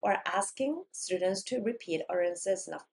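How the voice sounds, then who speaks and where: A woman lecturing on English teaching methods, explaining in Korean and reading English definitions slowly, sometimes acting out a teacher and a student. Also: mid-range voice, lively intonation, gravelly, slight background noise. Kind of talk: recorded lecture.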